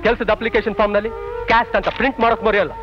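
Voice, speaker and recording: A man's voice: high voice, fairly even intonation, racing, natural voice. An actor playing an earnest young man who lectures his friends. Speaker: jobless idealist friend. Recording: dull old film soundtrack with music.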